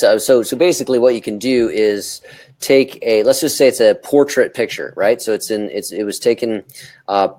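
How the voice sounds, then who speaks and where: A man co-hosting a talk show, explaining things casually to the audience in a slightly halting way with restarted phrases. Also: mid-range voice, a little mellow.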